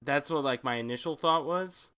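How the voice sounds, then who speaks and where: A man's voice: fairly high pitch, normal speed, bright, forceful tone, clear, resonant tone. A man co-hosting a podcast, chatting in an easygoing, agreeable way. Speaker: podcast co-host. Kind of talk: casual chat.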